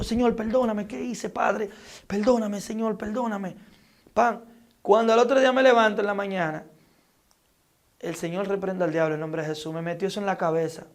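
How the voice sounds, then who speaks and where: Fervent man with a gravelly voice. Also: sits high, darkish tone. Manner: fervent, dramatic storytelling with sound effects. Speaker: interview guest. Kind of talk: emotional testimony.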